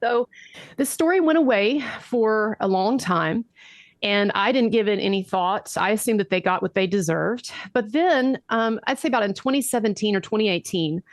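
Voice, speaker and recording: A woman's voice: mid-range voice, animated, normal speed, no echo, clean studio sound. A woman guest laying out a story methodically and fluently, her voice a little nasal from allergies. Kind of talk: storytelling in an interview.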